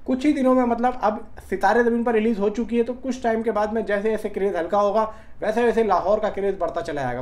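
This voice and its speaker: A man's voice: high-pitched, a little mellow. Chatty man hosting film updates. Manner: colloquial, chatty, addresses viewers as brother. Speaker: film news YouTuber and host. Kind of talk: casual film-update commentary to fans.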